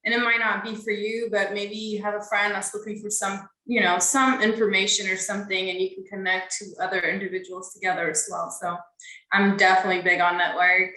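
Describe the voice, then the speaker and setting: A woman's voice: medium pitch, level tone, brisk, pushed and bright, reverberant, rough recording. A young woman from Ethiopia, a podcast guest, answering interview questions in an earnest, casual way with frequent fillers.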